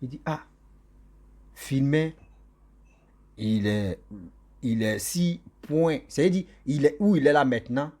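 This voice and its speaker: A man's voice: mid-range voice, slow, pauses often, darkish tone. A man telling a ghost story casually, laughing often and acting out the people in it.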